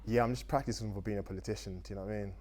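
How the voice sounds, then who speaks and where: A man's voice: lowish voice, steady tone, rapid-fire, darkish tone. A young man from Austria, a native German speaker, chatting on a date in a talkative, reflective, rambling way. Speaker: dating show guest. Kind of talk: casual dating conversation.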